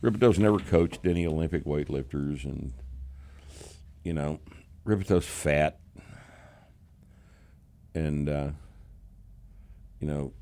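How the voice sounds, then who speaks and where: A man with a slight Texas accent hosting a casual podcast, talking in a gruff, profane, sarcastic way. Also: a bass voice, takes it slowly, long pauses, warm tone. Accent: Texan. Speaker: podcast host, strength coach.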